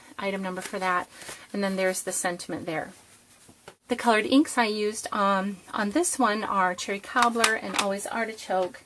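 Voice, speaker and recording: A woman keeps a moderate pace as noticeable background noise carries on behind her. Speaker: card-making crafter. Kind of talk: tutorial. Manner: hesitant, many fillers.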